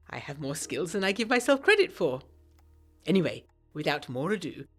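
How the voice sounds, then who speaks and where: A woman playing an eager, self-pleased 1920s lady narrating a gothic audio drama in genteel, bookish diction. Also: deep voice. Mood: sly, pleased.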